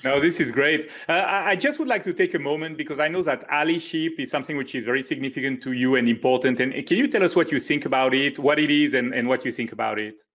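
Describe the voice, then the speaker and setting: A man's voice: mid-range voice, fast, hardly any pauses, a bit bright. Encouraging male interview host. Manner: encouraging, attentive. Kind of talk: hosting an interview segment.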